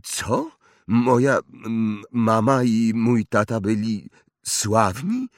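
A man's voice: lowish voice, animated, slow, no room sound, studio quality. Man doing a bewildered young boy. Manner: hesitant, puzzled questions. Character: bewildered eleven-year-old boy, timid.

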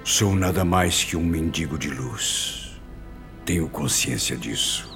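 A man's voice: a bass voice, animated, takes it slowly, over music, exaggerated voice. An actor playing a humble father's spirit in a radio drama, pleading earnestly.

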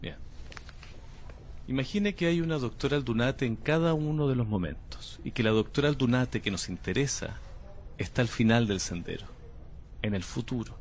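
An actor playing a calm, cryptic male patient who claims to come from the future, speaking in a slow, measured, unsettling way. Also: medium pitch, slight background noise, natural voice. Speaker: patient under interview. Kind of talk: audio drama acting.

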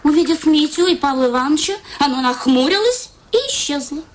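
An actress in a radio play, narrating and voicing a sly, playful wife with an expressive, theatrical manner. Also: female voice, sits high, a little fast, a little hiss or hum, lightly acted. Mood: dramatic storytelling.

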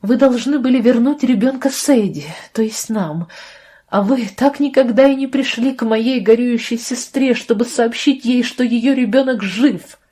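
A woman voicing a furious Amish aunt, husky and sharp. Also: medium pitch, unhurried. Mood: accusing. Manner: sharp, accusing questions.

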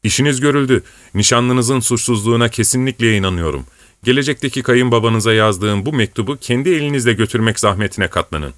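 A man voicing a calm, gracious noblewoman in an audiobook reading, speaking in a measured way. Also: mid-range voice, dry recording, natural voice. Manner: measured, composed.

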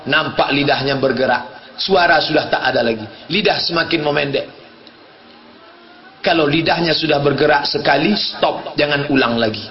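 A man giving a humorous sermon, telling stories and acting out dialogue, with laughs and sudden shouts. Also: fairly high pitch, moderate pace, muffled recording. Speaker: preacher.

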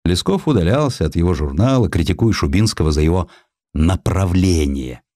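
Low-voiced, animated male audiobook narrator. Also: normal speed, no echo, clean studio sound. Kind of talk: expressive scripted narration of historical sketches.

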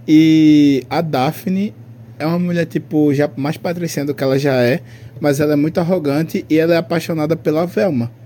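Young brazilian man, podcast co-host, mellow dark tone, slightly high pitch, rambling slangy chat, faint background hiss. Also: fairly even intonation, moderate pace. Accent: Brazilian Portuguese. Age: 20s. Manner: rambling, slangy, laughs often. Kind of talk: casual chat.

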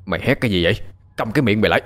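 A man voicing an angry rich old master of a household, gruff and barking orders. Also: fairly low pitch, lively intonation, very fast, faint music behind, lightly acted.

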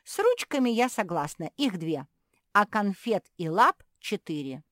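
A woman voicing a stubborn, greedy little girl creature in a storybook, talking shrill, loud and insistent. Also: very animated, measured pace, no room sound, clean studio sound.

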